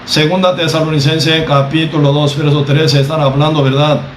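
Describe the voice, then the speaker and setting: A male preacher delivers a measured sermon, speaking with a slightly higher-than-usual voice. He keeps checking in with his listeners as he teaches. The recording sounds roomy and echoey, with faint ambient noise behind him. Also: flat delivery. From Costa Rica. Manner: measured, repeats "¿verdad?" often.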